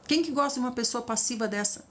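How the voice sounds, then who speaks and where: Animated woman preacher. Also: fairly high pitch, fast. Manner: animated, acts out quoted voices. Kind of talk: devotional teaching.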